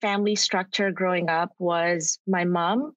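A woman's voice: fairly low pitch, fairly even intonation, unhurried, dry recording, dull audio. A woman in her thirties from Pakistan, a triathlete guest in a casual interview, speaking earnestly and reflectively and often searching for words.

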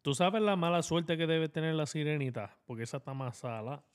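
A man's voice: on the high side, brisk. A man with a Puerto Rican accent bantering casually on a podcast in slangy, sweary Spanglish, mostly Spanish.

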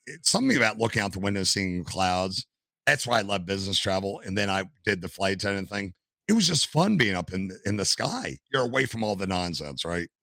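A retiree from the States holds forth as a podcast guest, all anecdotes and asides. His voice sits low with a gravelly edge and a bright, forceful bite. The sound is close and dry, with no room around it. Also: brisk, no room sound. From United States. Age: older. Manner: animated anecdotal storyteller. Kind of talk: casual storytelling interview. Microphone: headset.

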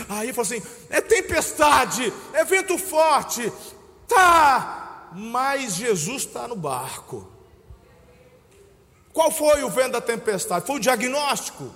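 A Brazilian man preaching a sermon, telling stories and calling his listeners brother, swinging between hushed moments and loud shouts. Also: high voice, in a large hall. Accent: Brazilian Portuguese. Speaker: pastor.

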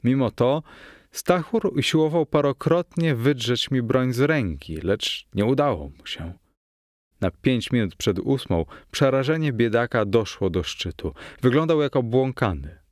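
A man narrating a novel in the first person, in a measured, steady storytelling manner. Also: medium pitch, no room sound, clean studio sound. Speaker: audiobook narrator.

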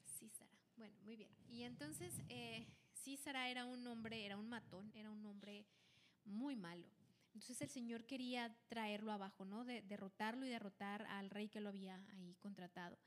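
A woman co-hosting a podcast, retelling a Bible story in casual chat with lively delivery and frequent restarts. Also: medium pitch, moderate pace, a little hiss or hum. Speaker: podcast co-host.

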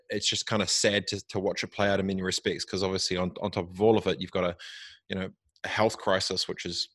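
A man with a New Zealand accent and a fairly low voice talks as an interview guest. He is casual and reflective, repeating words as he works out his thoughts. The sound is close and dry, with very little room. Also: a bit bright, no echo.

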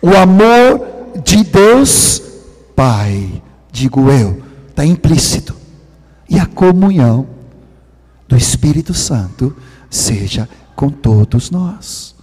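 An older man from Sweden preaches with a Swedish accent, his voice sitting fairly high for a man. He lingers over key words and lets some phrases sink into near-whispers. His voice rings with the long reverb of a large hall. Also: big pitch swings, slightly rough. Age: 60s. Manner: dramatic, drops to hushed near-whispers for emphasis; slow, drawn-out stress on key words. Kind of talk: sermon.

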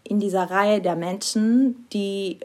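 Woman co-host, mid-pitched voice, halting, lots of äh and restarts. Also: a little mellow. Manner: halting, with frequent hesitations and restarts. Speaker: podcast co-host. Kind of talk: casual conversational interview.

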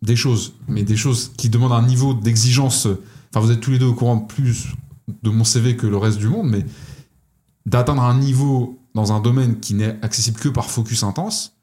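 A man's voice: medium pitch, steady tone, moderate pace, dark tone. A man co-hosting a podcast, arguing his point in an intense, insistent and philosophical way. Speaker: podcast co-host. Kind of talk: casual podcast chat.

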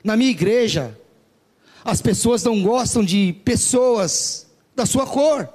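A man voicing a stern, condescending pastor who turns a young man away, in a husky high voice. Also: animated, slow pace, a little mellow, long reverb tail, full character voice. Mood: dismissive. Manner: dismissive, condescending.

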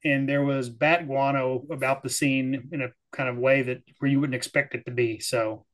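A man from the Texas-Oklahoma area, a player recapping a tabletop game in casual chat, halting and repeating words. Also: medium pitch, little pitch movement, fairly bright tone.

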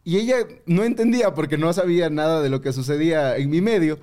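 A young man tells a story as a guest in casual conversation. His voice sits a little high for a man. He slips into other people's voices as he quotes them. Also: quick pace, warm tone. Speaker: comedian guest.

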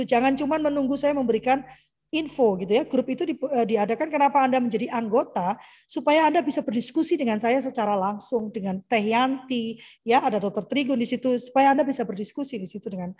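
A middle-aged woman giving a chatty parenting talk over a video call, lively and quick to mimic children's voices. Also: a little high. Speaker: parenting speaker. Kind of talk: conversational online parenting talk.

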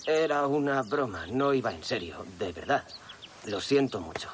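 A man's voice: mid-range voice, expressive, moderate pace, a little hiss or hum, lightly acted. An actor playing an impulsive young village man who grumbles and apologizes sheepishly.

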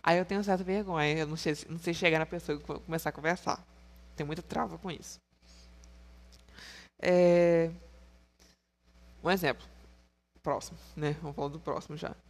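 A young man vlogging in casual, frank storytelling to his viewers, playful and quick to laugh. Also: fairly high pitch, steady tone.

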